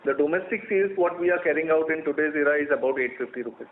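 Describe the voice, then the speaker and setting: Male Indian-accented company executive, slightly high voice, explanatory and halting, on a thin echoey phone line. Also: a little hiss or hum. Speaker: company executive answering analysts' questions. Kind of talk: earnings call question and answer. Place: conference call over a phone line.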